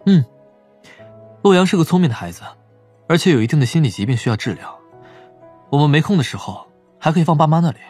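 A man acting a quick, easygoing male detective. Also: fairly high pitch, expressive, a little mellow, slightly rough, faint music behind. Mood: casual, persuasive. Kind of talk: audio drama acting.

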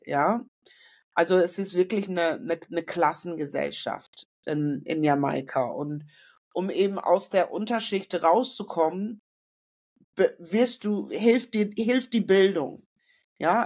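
A woman's voice: medium pitch, a little mellow. A middle-aged woman from northern Germany, a guest in a casual interview, talking reflectively with many fillers and restarts over a video call from a room indoors. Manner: reflective, frequent fillers and self-corrections.

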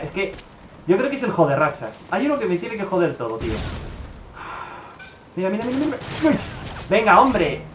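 A man from giving casual commentary over his own gameplay, swearing a lot and breaking into loud outbursts. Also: mid-range voice, reverberant, background noise. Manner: swears often, bursts into excited outbursts.

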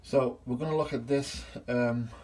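A middle-aged gas engineer films a small workshop on his phone, plainly explaining a boiler test one step at a time. He has a medium-pitched, slightly mellow voice with a steady tone and normal pace.

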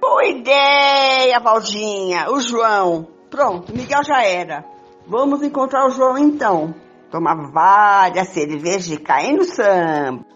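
A woman's voice: mid-range voice, lively intonation, slow pace, husky. An older Brazilian woman playing a fun-loving, mocking friend in an amateur radio soap. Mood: eager. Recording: muffled voice clip with faint music.

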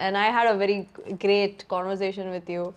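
A woman's voice: medium pitch, level tone, quick pace, clear, resonant tone, lo-fi sound. A woman in her twenties with a South Indian accent, hosting a casual chat in informal, slangy speech. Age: 20s. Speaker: podcast host. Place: small furnished room indoors.

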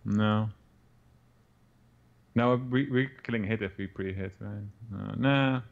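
A young Dutch man with a Dutch accent, talking through a card game as a guest co-player, thinking aloud with quick restarts. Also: on the low side, vocal fry, phone-quality sound. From Netherlands. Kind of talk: casual game commentary.

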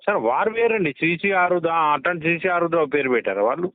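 A man's voice: on the high side, lively intonation, fast, no room sound. Emphatic man on a tinny phone line. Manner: emphatic, argumentative, frequent hesitations. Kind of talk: phone conversation, opinionated. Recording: leaked phone call audio.

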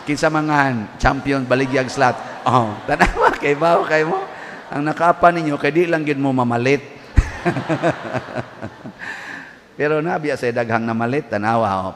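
A man with a Cebuano accent, a priest giving a humorous homily, telling jokes in an animated storyteller's way. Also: medium pitch. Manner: joking storyteller, animated asides. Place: large church. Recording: distant voice with long hall reverb, faint background noise.

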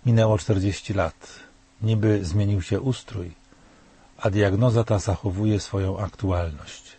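A man in his sixties giving scripted commentary in a grave, measured tone, posing rhetorical questions. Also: on the low side, steady tone, mellow, husky.

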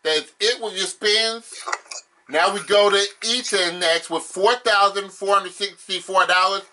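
A man hosting a game show, calling out prizes and totals like a booming prize announcer. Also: steady tone, a little slow, background noise. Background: game show music.

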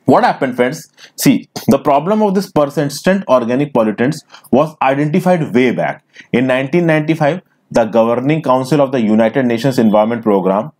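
Indian English male teacher, mellow tone, patient explainer who keeps saying friends. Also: medium pitch. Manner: explanatory, repeatedly addresses listeners as friends. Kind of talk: recorded screen lecture.

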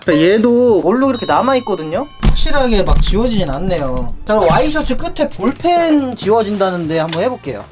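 A young man presents a product test with a very lively, varied pitch. He talks to viewers in a polite, conversational way, and music plays behind him. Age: young adult. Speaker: product review video host. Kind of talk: casual product test commentary.

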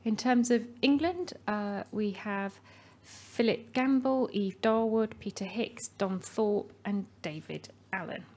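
Woman reading out vote results slowly at a podium, mid pitch. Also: darkish tone. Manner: measured, reading names slowly. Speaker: announcer of election results. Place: meeting hall. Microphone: podium microphone.

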